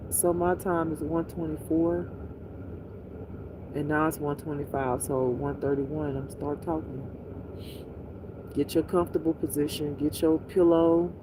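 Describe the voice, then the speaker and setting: A livestream host speaks at a slow, lingering pace in an intimate pillow-talk style. The delivery is soothing and unhurried, repeating soft instructions to get relaxed. The voice sits at a medium pitch, with clear background noise humming behind it.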